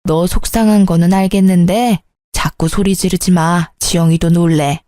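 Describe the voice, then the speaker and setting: A middle-aged woman telling a first-person story as a mother, in a gentle, soothing, motherly tone. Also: fairly low pitch, fairly even intonation, normal speed, no room sound, clean studio sound.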